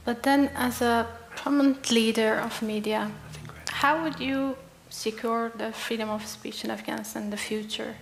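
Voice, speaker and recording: Gravelly-voiced woman moderating questions. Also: fairly high pitch, fairly even intonation, normal speed, hardly any pauses, slight background noise. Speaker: event moderator.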